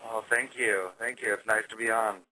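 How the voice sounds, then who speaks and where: A man's voice: fairly low pitch, fairly even intonation, normal speed, noisy background. A man calling in over a phone line from a car on the way to the airport, greeting the host in a brief, friendly way. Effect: heard over a phone line. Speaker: caller on a conference line. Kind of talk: casual phone chat.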